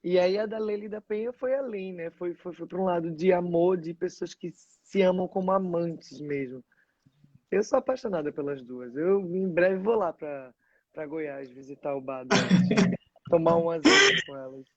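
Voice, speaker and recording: A woman's voice: fairly low pitch, normal speed, no room sound. A woman from Pernambuco, an actress, chatting expressively as an interview guest. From Pernambuco, Brazil. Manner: animated, expressive storytelling. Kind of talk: casual interview chat. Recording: dull, dry lo-fi sound.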